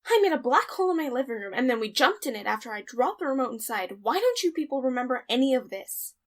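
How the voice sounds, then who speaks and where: A woman's voice: sits high, very animated, quick pace. A woman playing an exasperated, worn-out young woman in an amateur audio drama. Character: exhausted, exasperated young woman who clones herself.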